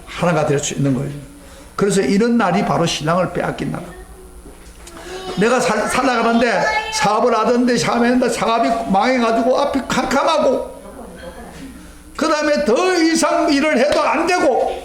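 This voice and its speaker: A middle-aged man preaching a sermon as pastor, telling stories emphatically and acting out his own prayers, his voice sweeping from near shouts down to low asides. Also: normal speed, reverberant. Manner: sweeping pitch, rising near a shout then dropping low. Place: church sanctuary.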